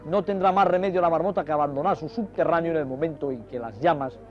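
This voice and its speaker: Talking fast in a fairly high voice, a man delivers nature documentary commentary over film footage. His explanations are didactic, aimed straight at viewers, and packed with ornate, dramatic storytelling turns. The recording sounds like dull vintage TV audio with music in the background.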